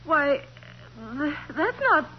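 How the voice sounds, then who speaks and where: An actress playing a middle-aged widow in a 1940s radio crime drama, hesitant and dramatic. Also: female voice, high-pitched, lively intonation, slow. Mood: flustered. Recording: muffled, noisy 1940s radio recording.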